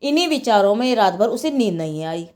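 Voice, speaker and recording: A woman narrating a scripted moral religious tale in an expressive, dramatic storytelling manner. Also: mid-range voice, fairly quick.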